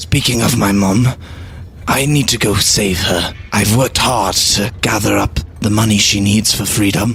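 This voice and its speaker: A man puts on a character voice, fairly low in pitch, at a moderate pace with clear background noise. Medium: actual play. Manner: earnest, plainspoken.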